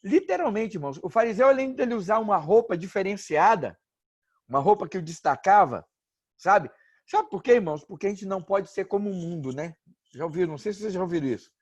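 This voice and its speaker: A Brazilian pastor, a man preaching an informal sermon with joking stories and animated asides. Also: high-pitched, quick pace. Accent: Brazilian Portuguese.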